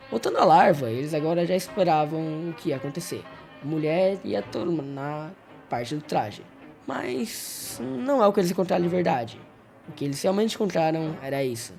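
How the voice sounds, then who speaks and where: A man's voice: high-pitched, vocal fry, darkish tone. A man with a Brazilian accent narrates a story recap as a video host, in a casual scripted style with informal, wry asides. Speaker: YouTube host narrating horror series recaps.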